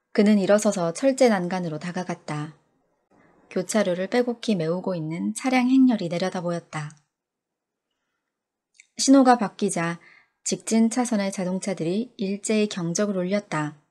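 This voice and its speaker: A calm woman's voice of medium pitch, dark and mellow in tone, with ordinary pitch variation and long, frequent pauses over a very clean recording with a silent background. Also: moderate pace. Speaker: audiobook reader. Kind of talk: audiobook narration. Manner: soft, calm, sleep-inducing.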